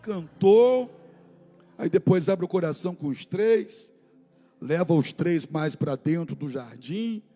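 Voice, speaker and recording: A man preaching a sermon at a church service, with fervent delivery that swings from shouting to hushed storytelling. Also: on the high side, animated, slow. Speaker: pastor.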